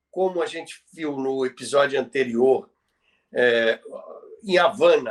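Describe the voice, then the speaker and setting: Older Brazilian man, higher-pitched, slightly distant. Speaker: podcast host. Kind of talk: reminiscing talk on radio history. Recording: somewhat distant from the mic.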